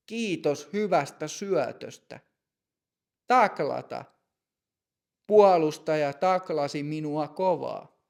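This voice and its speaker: Brief: male narrator for a learners' story, gravelly edge, fairly high voice, clear measured reading. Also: darkish tone. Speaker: language teacher narrator.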